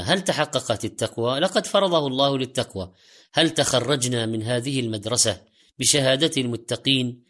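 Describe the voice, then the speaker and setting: A male preacher speaks in formal standard Arabic with a bright, forceful voice at a middling pitch. He delivers an exhorting sermon, pressing listeners with rhetorical, direct appeals.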